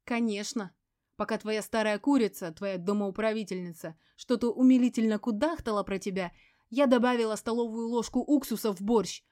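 A woman reading an audiobook voices a furious, spiteful ex-wife who hisses and yells, her voice breaking into shrieks. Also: medium pitch, no room sound, studio quality, close to an everyday voice. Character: furious embittered ex-wife, spiteful poisoner, screaming.

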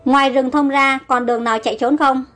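A woman's voice: high-pitched, steady tone, a little fast, a bit bright, faint music behind. A woman voicing a young, compassionate queen who is on the run and pleads for her loyal soldiers. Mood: distressed. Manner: pleading and distressed.

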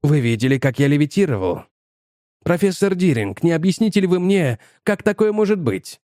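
A man voicing a calm, evasive young male scientist who answers in a coolly dismissive, polite way. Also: fairly high pitch, normal speed, dry recording, studio quality.

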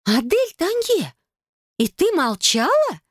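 A woman doing a bossy, excitable young cousin. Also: fairly high pitch, dry recording, clean studio sound, pitched above the performer's own voice. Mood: indignant. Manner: excitable, bossy, quick to scold. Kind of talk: audiobook character voice.

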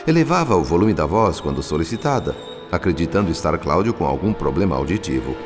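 Narrator brief: Brazilian man, low register, dramatic varied intonation, formal and solemn, hall reverb. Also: sing-song, quick pace. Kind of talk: dramatic scripted radio narration. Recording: long hall reverb, music behind.

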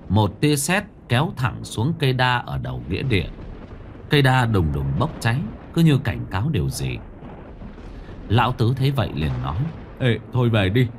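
A man narrating a ghost story, voicing the characters with lively delivery. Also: mid-range voice, moderate pace, slight background noise. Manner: lively, animated telling with voiced dialogue.

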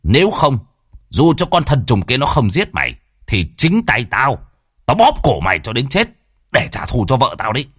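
A man voicing an angry, grieving middle-aged man in a horror story, blunt and gruff in his threats. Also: mid-range voice, wildly swooping pitch, normal speed, a bit bright, no echo, studio quality, voice pushed up, full character voice.

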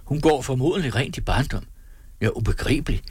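A man's voice: medium pitch, animated, a little mellow, breathy edge, no room sound, pitched above the performer's own voice. A man reading aloud, voicing a pompous country chaplain who speaks solemnly.

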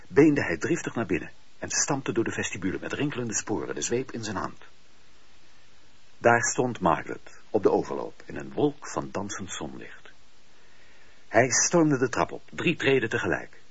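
A man's voice: lowish voice, slightly rough, dry recording. A man narrating a radio drama in a dramatic, literary storytelling style. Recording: dry, dull lo-fi radio recording.

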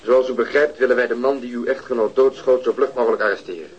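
An actor playing a patient, methodical police detective in a radio drama. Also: male voice, mid-range voice, steady tone, fast, highs cut off, natural voice. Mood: polite. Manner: polite, methodical questioning. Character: patient police detective, middle-aged man.

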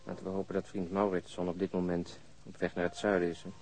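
A man's voice: sits low, completely flat delivery, quick pace, a little mellow, a little hiss or hum. An actor in a radio drama playing a wry, uneasy policeman with a dry, sardonic, muttering manner. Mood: wary, grumbling. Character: wry, uneasy policeman searching a flat, Lennart. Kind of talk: naturalistic radio drama acting.

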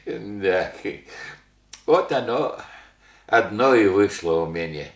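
An actor playing a humble, elderly widowed village father who speaks in halting rustic phrases full of fillers. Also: on the low side, expressive, reverberant. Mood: rambling. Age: older. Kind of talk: archival Soviet radio play acting.

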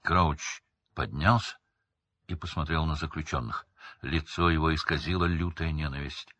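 A man reading a novel aloud in measured, dramatic narration. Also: a bass voice, fairly bright tone, no echo, dull audio. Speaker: audiobook narrator. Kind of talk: scripted audiobook narration.

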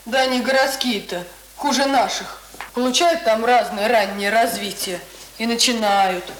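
An actress as a village teenage girl in a radio play. She gives instructions in a bossy, teasing way with a fairly high voice. Clear noise sits on the recording. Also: moderate pace, lightly acted, low-quality recording. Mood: disapproving. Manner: instructing, mocking.

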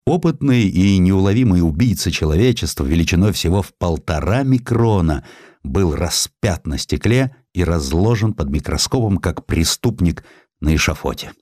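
A man with a deep, low voice narrates historical prose like a literary audiobook. His delivery is measured and expressive, with a dramatic storyteller's shaping. The sound is dry and close, free of room echo.

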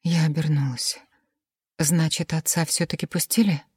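A woman narrating a first-person audiobook in a quiet, measured reading voice on a close mic. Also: deep voice, fairly even intonation, slightly rough, dry recording.

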